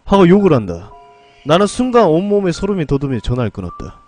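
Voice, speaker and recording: A man's voice: a little high, very animated, quick pace, a little mellow, faint music behind. A man narrating a first-person horror tale in a dramatic, scripted storytelling style.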